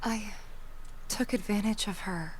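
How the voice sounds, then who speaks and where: An actress playing a kind young woman in a video game, speaking softly and earnestly. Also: mid-range voice, measured pace, a little hiss or hum, lightly acted. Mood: remorseful.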